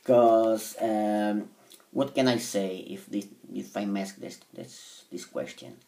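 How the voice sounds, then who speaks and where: A man speaks in a lowish, warm tone, pausing often as he works out what to say. His voice sits a little back from the mic, with some room around it. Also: steady tone, gravelly, far from the mic. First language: Portuguese. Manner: halting, thinks aloud with frequent pauses. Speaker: language-learning vlogger. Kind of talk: casual monologue to camera.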